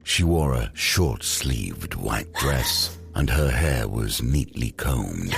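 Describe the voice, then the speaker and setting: A man playing the grave, ominous narrator of a gothic audio drama, deliberate and given to dramatic pauses. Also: a bass voice, expressive, creaky, a bit bright, faint music behind, full character voice. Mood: suspenseful.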